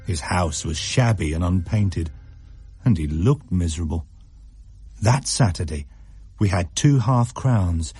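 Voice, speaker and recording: A man narrating a radio story in an expressive, varied way. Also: low-pitched, measured pace, pauses often, slightly rough, no echo, clean studio sound, faint music behind. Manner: expressive, shifts pace for effect.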